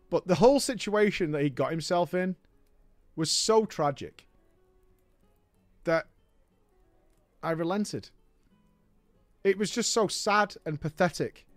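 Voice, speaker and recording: A man's voice: on the high side, lively intonation, unhurried, pauses often, no room sound, faint music behind. A man telling a comic story in a wry, exasperated way. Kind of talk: comedic storytelling narration.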